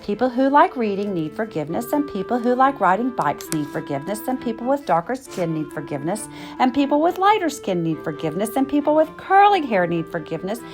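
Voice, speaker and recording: Animated woman reading a children's picture book. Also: fairly high pitch, fairly quick, few pauses, over music. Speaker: storytime reader.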